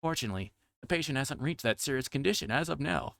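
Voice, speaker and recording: A man's voice: mid-range voice, expressive, quick pace, gravelly, a bit bright, no echo, studio quality. A man livestreaming a game, reading its text aloud and sometimes stumbling over difficult words.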